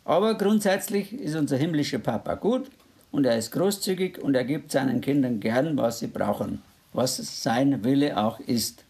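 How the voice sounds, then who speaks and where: A man's voice: mid-range voice, lively intonation, moderate pace, creaky, darkish tone. A man preaching a sermon in earnest, quoting scripture in a raised voice.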